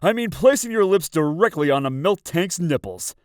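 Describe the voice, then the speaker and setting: Man playing a high-ish, hearty lecherous cartoon man. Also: lively intonation, normal speed, noisy background. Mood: pontificating. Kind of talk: fan parody cartoon dub acting.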